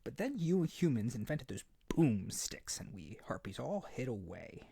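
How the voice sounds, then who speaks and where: A man's voice: medium pitch, very animated, unhurried, vocal fry, dark tone, breathy edge, dry recording, clean studio sound, heavily acted. A man voicing an eager, naive young male harpy in an ASMR roleplay, chattering earnestly and nervously to the listener. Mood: excited, earnest. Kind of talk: ASMR roleplay audio drama.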